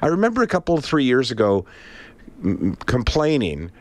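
A man's voice: mid-range voice, moderate pace, no room sound. Chatty man with a cold. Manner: wry, chatty, animated. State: has a cold. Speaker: radio co-host. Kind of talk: casual sports chat.

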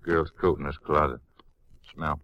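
An actor playing a suspicious, accusing small-town sheriff, blunt and skeptical, in a 1950s radio drama. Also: male voice, very deep voice, little pitch movement, unhurried, muffled recording. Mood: grave, hushed. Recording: old radio recording, faint noise.

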